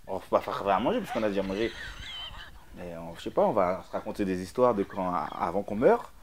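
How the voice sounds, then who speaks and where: A middle-aged man, a DJ guest, answering interview questions in a joking, blunt way, with many fillers and pauses. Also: low-pitched, lively intonation, a little hiss or hum. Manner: jokey, blunt, hesitant with fillers. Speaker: DJ and producer guest.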